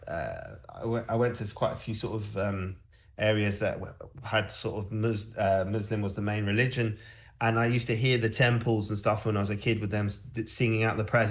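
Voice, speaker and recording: A man hosting a music show, chatting casually about tracks in a rambling, hesitant way. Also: on the low side.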